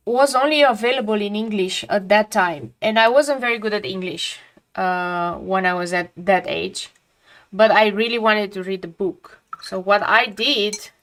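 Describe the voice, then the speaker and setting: A woman's voice: medium pitch, fairly bright tone. A woman from Romania, speaking English as a second language, chatting casually and reflectively while she paints on a live stream, often trailing off mid-sentence.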